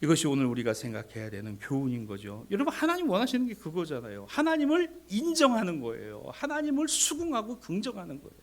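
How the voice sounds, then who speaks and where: A male pastor delivers a sermon in a high, lively voice that climbs and drops sharply. He moves between raised, urgent exhortation and near-whispered asides, speaking straight to his congregation and acting out the voices of people in the story. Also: fast, few pauses. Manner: addresses congregation directly, acts out voices of people and God.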